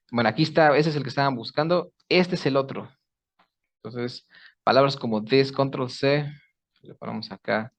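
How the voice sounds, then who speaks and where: A man's voice: mid-range voice, gravelly. A man teaching pronunciation in an online class, explaining patiently step by step and checking in with his students. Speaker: English teacher.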